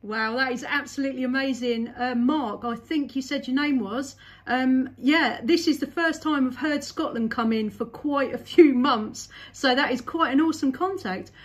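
Female, high pitch, enthusiastic, casual CB radio operator chat. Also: normal speed, hardly any pauses. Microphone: desk CB microphone.

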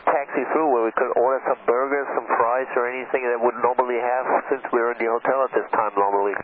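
Male airline pilot, medium pitch, fast casual talk, tinny radio. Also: fairly even intonation. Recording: tinny radio, faint static.

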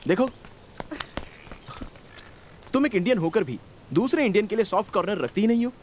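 A man's voice: sits high, lively intonation, normal speed, noisy background. A man dubbing a teasing, carefree young male film hero in playful banter, with music under the film soundtrack. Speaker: male lead in dubbed film.

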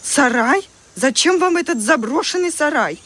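A man's voice: very high-pitched, animated, normal speed, pushed and bright, pitched above the performer's own voice, heavily acted. A man reading a children's audio tale voices a stern, grumpy woman who works as a camp nurse. She scolds the children, then mocks them. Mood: sternly dismissive. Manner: scolding, then mockingly amused. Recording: music bed under the voice.

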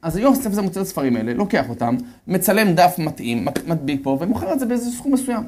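A man telling a religious story as a lecturer, animated and often telling his audience to listen well. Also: sits high, slight background noise. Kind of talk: storytelling sermon.

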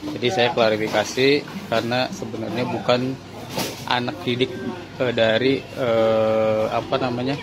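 A man's voice: mid-range voice, little pitch movement, a little slow, rough recording. Hesitant man filming in a supermarket. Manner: hesitant, many fillers. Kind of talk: casual clarification vlog. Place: inside a supermarket aisle. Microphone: phone held at arm's length. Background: loud background music.

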